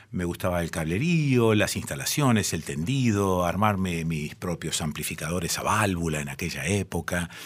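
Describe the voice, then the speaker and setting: Hardly any pauses break up this speech, which has lively intonation. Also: man, very deep, low pitch for a man, moderate pace. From Argentina, Rosario. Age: 60s. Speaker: radio broadcaster and journalist. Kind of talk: interview conversation.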